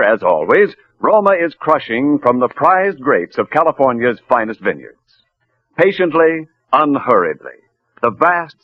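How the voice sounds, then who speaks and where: A man announcing a wine commercial in smooth, persuasive 1940s radio style. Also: dry recording. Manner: smooth, persuasive pitchman delivery. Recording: dull, dry old radio broadcast.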